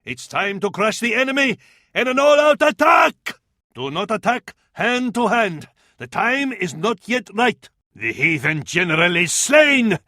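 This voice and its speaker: A fervent Arab battlefield counsellor from a strategy game. The voice sits high and rings out bright and forceful, with an Arabic accent. The delivery is ornate and theatrical, addressed to a sultan, in a very dry, close recording. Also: male voice, very animated, a little slow, no echo, exaggerated voice. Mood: urgent alarm, then stern. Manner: ornate, dramatic, proverb-laden delivery. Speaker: military advisor in a strategy game. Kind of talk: theatrical video game voice acting.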